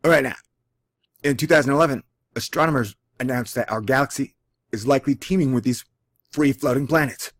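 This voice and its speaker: A man's voice: medium pitch, a little fast, no echo. A man with a Texan accent hosting a casual one-take vlog, reading a science article aloud with jokey, self-deprecating asides. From Texas. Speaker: channel host. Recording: dry, close lo-fi home recording.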